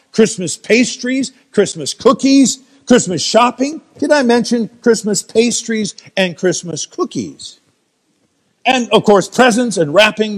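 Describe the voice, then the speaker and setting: An American man preaching a sermon as pastor, telling stories with playful asides. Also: sits high. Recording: long reverb in a large room.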